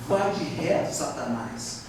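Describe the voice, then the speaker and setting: A man voicing a calm, solemn male teacher who rebukes a disciple in slow, measured words. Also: fairly high pitch, background noise, voice pushed down. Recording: very echoey hall, voice from far off.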